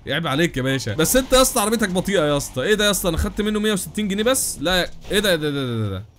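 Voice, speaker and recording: Rapid excitable Egyptian young man. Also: high-pitched, a little hiss or hum. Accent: Egyptian Arabic. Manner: rapid, excitable, exclaiming and laughing, addressing viewers. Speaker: gaming YouTuber. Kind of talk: excited gameplay commentary.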